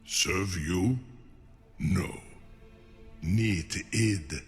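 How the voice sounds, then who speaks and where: Slow, gravelly, deep ancient dragon. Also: male voice, long reverb tail, soft background music, heavily acted. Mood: sly, bargaining. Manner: slow, deliberate, formal and imperious. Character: ancient captive male dragon, proud, cunning and grandiose. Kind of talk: fantasy video game acting.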